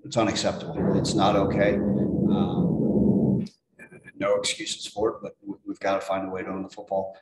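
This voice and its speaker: Brief: middle-aged male coach, low steady voice, flat delivery, roomy press-room sound. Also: moderate pace, background noise. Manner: plain-spoken, repeats words when restarting. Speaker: head football coach. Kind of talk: post-game press conference.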